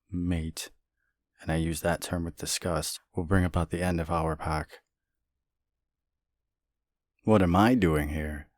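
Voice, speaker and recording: A man's voice: low-pitched, a little mellow, dry recording, studio quality. A man playing a scheming male werewolf who speaks with cold contempt in a fan audio drama.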